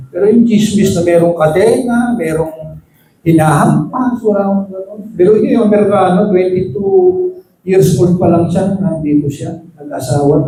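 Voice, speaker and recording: A male preacher delivering a sermon, calling out to the congregation for amens and swinging between loud, high exclamations and low, quiet asides. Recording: echoey room with faint ambient noise.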